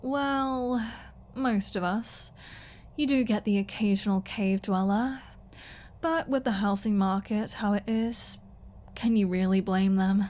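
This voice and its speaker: A woman's voice: medium pitch, slow pace, darkish tone, close to an everyday voice. A woman playing a flirty, defiant captive vampire in an ASMR audio roleplay, teasing and mocking with a sarcastic drawl. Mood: bored, mocking.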